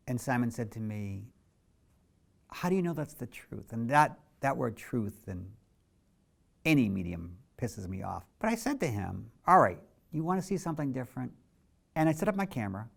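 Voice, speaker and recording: A man's voice: mid-range voice, vocal fry. A middle-aged male photographer narrating a documentary in a candid, reflective storytelling manner.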